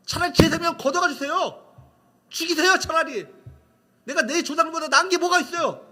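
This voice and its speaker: A male pastor acting out a despairing prophet who cries out and protests loudly to God. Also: extremely high pitch, sing-song, extremely slow, creaky, breathy edge, heavily acted. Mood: protesting.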